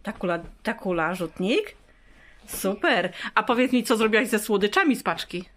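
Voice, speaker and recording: A woman and mother chatting warmly in a home vlog, coaxing her child with questions. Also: mid-range voice, expressive, moderate pace. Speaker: vlogger and mother. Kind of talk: casual family vlog.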